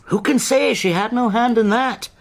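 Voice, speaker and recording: A man's voice: extremely high pitch, normal speed. An actor playing a theatrical, cunning, eccentric disabled man in a Victorian radio drama, declaiming in a florid, mocking way. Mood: dramatic, conspiratorial.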